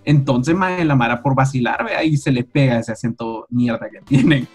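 A man's voice: mid-range voice, brisk, slightly rough, faint music behind. Young Salvadoran man chatting on video call. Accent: Salvadoran Spanish. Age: young adult. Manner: relaxed, slangy, storytelling. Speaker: podcast guest. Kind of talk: casual comedic chat over video call. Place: room at home, indoors. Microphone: video call with earphones.

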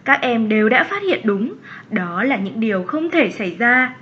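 A kind young cartoon schoolteacher, fairly high in pitch. She encourages her pupils in measured phrases, on a slightly dull recording. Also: big pitch swings. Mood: encouraging. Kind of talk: children's educational cartoon lesson.

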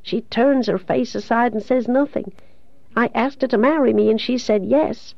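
A woman's voice: a little high, normal speed, vocal fry, darkish tone, no echo, muffled recording, pitched above the performer's own voice. A woman voicing a grief-stricken, devout young man in love in an audiobook, earnest and pleading. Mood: bewildered, hurt.

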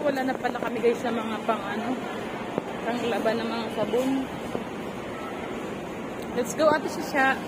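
A woman in her forties chatting to viewers about items as she shops, talking into a phone held at arm's length. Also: on the high side. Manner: chatty, addresses viewers while shopping. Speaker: vlogger. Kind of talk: casual shopping vlog. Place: busy supermarket aisles, indoors. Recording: loud crowd and store noise.

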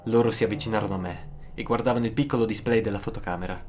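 A man with a fairly low voice tells a scripted horror story in the first person. He pauses dramatically for suspense, and music plays clearly behind him. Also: darkish tone. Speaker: narrator.

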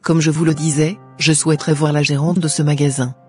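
A woman's voice: deep voice, flat delivery, fairly quick, mellow, close to an everyday voice. A woman voicing a headstrong, regretful young orphaned daughter in an amateur Christian cartoon, lamenting dramatically over music. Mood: tense.

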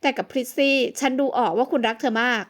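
A woman voicing a young model, a caring ex-wife who speaks softly, coaxingly and very politely. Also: a little high, fast talker, close to an everyday voice.

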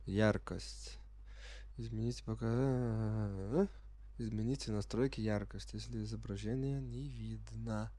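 Slow, low-voiced sick man. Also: fairly even intonation, warm tone, no echo. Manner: halting, unsure, non-native speaker fumbling for words; reads game menu text aloud while puzzling over it. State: sick with a virus. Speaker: gamer playing on camera. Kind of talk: unprepared first-time gameplay commentary.

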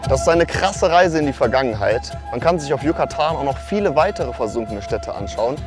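A man co-presenting a travel vlog in a relaxed, matter-of-fact way. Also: medium pitch, fairly quick. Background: background music.

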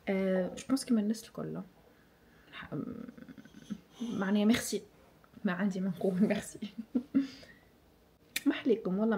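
Mellow-voiced Tunisian woman vlogger. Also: medium pitch, a little hiss or hum. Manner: reflective, switching freely between Arabic, French and English. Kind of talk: casual chat answering viewer assumptions.

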